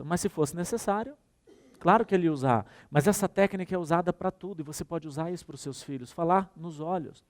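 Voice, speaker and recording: A man with a high-sitting voice and a Brazilian Portuguese accent gives a workshop talk full of anecdotes. He animates his stories by acting out the dialogue and speaks directly to his audience.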